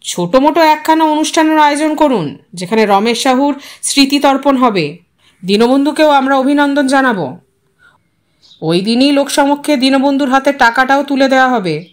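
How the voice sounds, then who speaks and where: A woman's voice: high-pitched, lively intonation, moderate pace. A woman voicing a middle-aged male politician, self-important and unctuous, speaking with authority and dropping in English words. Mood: commanding.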